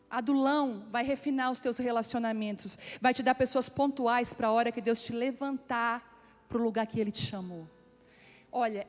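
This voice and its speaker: Woman pastor preaching, high voice, acts out little stories, echoey hall with soft music behind. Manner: animated storytelling, acting out quoted voices. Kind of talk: lively sermon with personal stories. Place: church meeting hall. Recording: long hall reverb, faint music.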